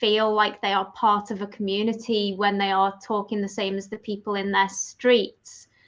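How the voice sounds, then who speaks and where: A woman speaks with a slight Scouse accent. Her pitch is fairly high. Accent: slight Scouse (Liverpool). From Liverpool, England. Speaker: activist. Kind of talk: casual chat.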